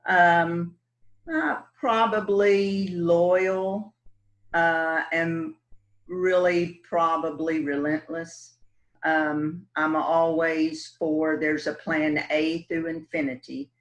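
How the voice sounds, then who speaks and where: A woman with a West Texas twang, running for city council and telling her story. She takes her time, speaking slowly, and drops in plenty of ums and uhs. Her manner stays folksy and relaxed throughout. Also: low-pitched. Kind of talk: casual interview answers.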